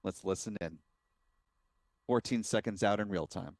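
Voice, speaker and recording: A man's voice: on the low side, normal speed, darkish tone, no room sound. A man giving live, explanatory commentary as host of a launch webcast.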